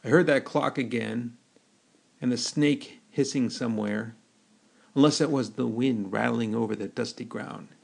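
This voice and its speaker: A man narrating a spoken story in the first person, with measured, vivid storytelling. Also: mid-range voice, gravelly, darkish tone, husky.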